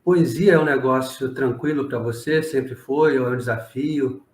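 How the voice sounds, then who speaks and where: A man hosts a casual talk and asks brief, relaxed questions. His voice carries a noticeable room echo. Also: mid-range voice, normal speed. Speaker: podcast host. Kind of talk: casual interview. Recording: roomy echo.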